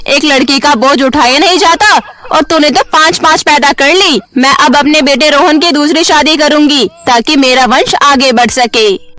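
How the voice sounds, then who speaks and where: A woman's voice: sits high, normal speed, sharp tone. A woman voicing a cruel, scornful older mother-in-law in a melodramatic cartoon story, scolding harshly. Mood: angry, scornful.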